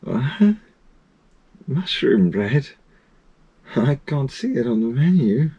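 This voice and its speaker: Man voicing drowsy husky young miner. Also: medium pitch, sing-song, dark tone, muffled recording, pitched above the performer's own voice, exaggerated voice. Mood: drowsy, confused. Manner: drowsy, slow, then startled. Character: dozy, dim-witted young male miner waking up, easily startled. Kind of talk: video game voice acting.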